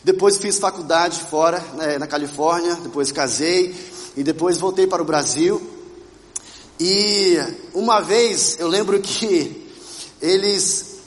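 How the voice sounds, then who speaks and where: High-voiced pastor in an echoing hall. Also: male voice, takes it slowly. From Brazil. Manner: animated storytelling, asks the congregation questions. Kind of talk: sermon with personal testimony. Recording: reverberant church hall.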